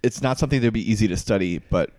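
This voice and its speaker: A man's voice: fairly low pitch, racing, darkish tone, dry recording. A man hosting a podcast, explaining history in casual, slangy chat with a jokey, informal manner. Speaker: podcast host.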